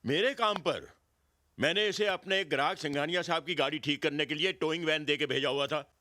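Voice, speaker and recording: Fields: a sarcastic garage owner. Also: male voice, fairly high pitch, brisk, sharp tone, no echo, studio quality. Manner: sarcastic, protective. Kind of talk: Hindi film acting.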